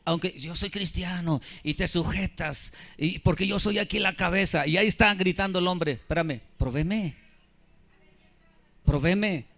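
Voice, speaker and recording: A pastor in his fifties preaches in a slightly high voice for a man. He speaks with emphasis and keeps turning to the congregation with questions. His delivery is a sermon, direct and insistent. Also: steady tone, normal speed, gravelly, hardly any pauses, a bit bright. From Mexico. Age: 50s.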